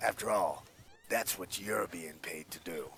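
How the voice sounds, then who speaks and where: A man uses a raspy, quiet put-on character voice at a fairly low pitch. He speaks fairly slowly over clear background noise. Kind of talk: formal, measured.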